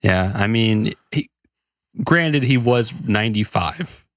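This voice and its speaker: A man's voice: lowish voice, lively intonation, slow pace, a bit bright, no echo, clean studio sound. A man co-hosting a podcast in casual chat, talking loosely with swearing and frequent restarts. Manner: loose, profane, rambling with restarts. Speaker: podcast co-host.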